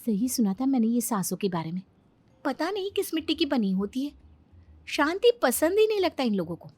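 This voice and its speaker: A woman voicing a quick-witted young daughter-in-law who talks back in an animated story. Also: high-pitched, husky, dry recording, exaggerated voice. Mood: grumbling.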